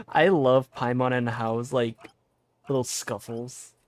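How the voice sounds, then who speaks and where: A man's voice: medium pitch, steady tone, takes it slowly. A man giving casual live commentary as a game streamer.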